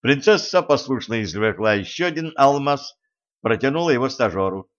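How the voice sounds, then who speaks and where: A man narrating an audiobook in a steady, even storytelling manner, in a slightly muffled recording. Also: mid-range voice, moderate pace.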